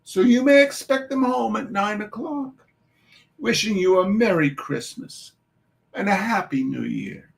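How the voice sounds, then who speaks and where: A prim, well-mannered young girl reads her invitation in a high, bright voice with a gravelly edge underneath, as a man puts her on for a storybook. She sounds careful and earnest. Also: lively intonation, measured pace, full character voice. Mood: polite, earnest. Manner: prim, careful letter reading. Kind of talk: storybook reading.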